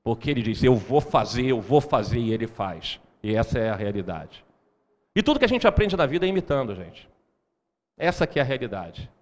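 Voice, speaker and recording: Animated preacher in a reverberant hall. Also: male voice, medium pitch, fairly quick. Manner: animated, asks the congregation questions. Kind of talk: sermon.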